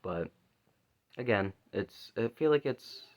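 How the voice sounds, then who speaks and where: A man talking casually in a video diary, halting and rambling, often repeating words and trailing off. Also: fairly low pitch, animated. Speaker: vocal student keeping a practice diary. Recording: dull lo-fi recording.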